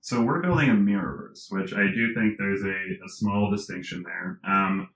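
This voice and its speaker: A man being interviewed, talking in a casual, animated way with many fillers, restarts and frequent laughs. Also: on the low side, moderate pace, poor audio. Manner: laughs often. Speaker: interview guest, tech founder.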